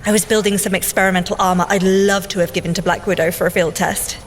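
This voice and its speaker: An actress playing a brainy, dry, teasing young scientist agent in audio drama banter, speaking precisely. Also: female voice, medium pitch, steady tone, fast, a little hiss or hum, close to an everyday voice. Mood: earnest, eager. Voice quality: precise, wry delivery.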